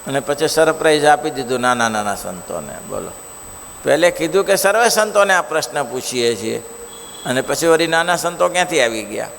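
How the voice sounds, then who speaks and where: A male preacher tells scripture stories in an animated way, keeps throwing rhetorical questions at his listeners, and speaks with a gravelly, fairly high voice. The sound rings with long reverb from a big hall, with a faint hiss beneath it. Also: fairly quick. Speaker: religious preacher. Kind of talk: devotional scripture discourse.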